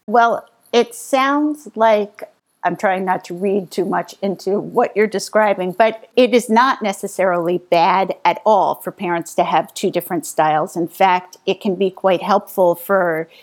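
A woman's voice: mid-range voice, unhurried. Woman guest, thoughtful and explanatory, medium voice. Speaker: author and psychologist guest. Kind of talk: conversational interview.

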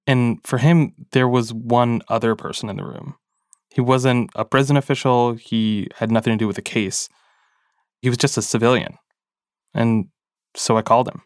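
A man's voice: medium pitch, steady tone, moderate pace, clear, resonant tone, no room sound, clean studio sound. A man, a podcast producer, narrating a story in a casual, reflective way with frequent fillers.

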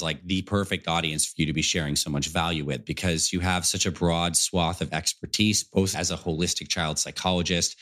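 A man hosting a podcast, upbeat and enthusiastic, his voice slightly raspy from a cold. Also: sits low. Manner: energetic, enthusiastic, calls listener "my friend". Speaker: podcast host.

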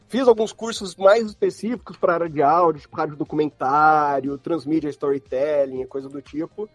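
A Brazilian man in his thirties talks casually as a podcast guest. His voice is clearly high for a man. The recording is dry, with no room sound, and he speaks with a Brazilian Portuguese accent. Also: no echo. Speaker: podcast guest, audio producer. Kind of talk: casual chat.

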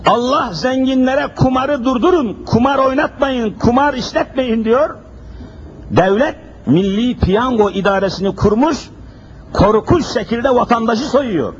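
High-voiced man preaching at a pulpit mic. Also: unhurried, breathy edge. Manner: emphatic, repetitive rhetorical questions. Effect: speaking at a pulpit microphone. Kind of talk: sermon. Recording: dull lo-fi recording with faint hiss.

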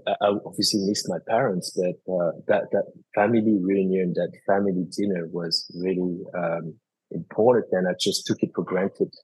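A man from France, a cooking school founder, telling his story as a podcast guest, halting with many fillers and restarts. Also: low-pitched, steady tone, husky, no echo, poor audio. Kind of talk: casual interview storytelling.

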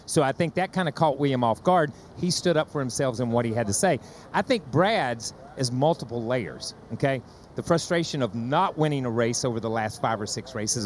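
A man's voice: medium pitch, a little hiss or hum. A man working as a racing analyst, talking animatedly and often repeating words as he starts a thought. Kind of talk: studio commentary panel.

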